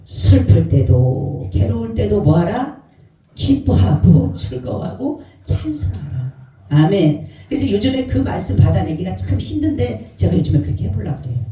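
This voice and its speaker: A pastor preaching an Easter sermon in a church, lively and questioning the congregation. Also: medium pitch, normal speed. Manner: animated, asks the congregation questions. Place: church sanctuary. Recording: very echoey church hall, mic far off.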